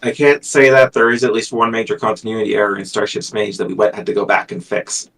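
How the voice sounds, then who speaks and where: A man's voice: fairly low pitch, little pitch movement, quick pace, a bit bright, recorded from a distance. A man speaking as a guest author in a casual livestream chat, with a dry, self-deprecating manner. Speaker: guest, science fiction author.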